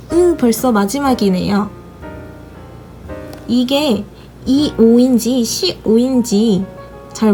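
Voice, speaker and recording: A woman with a voice gone hoarse from a sore throat, calmly explaining the meanings of tarot cards for a study video. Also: fairly high pitch.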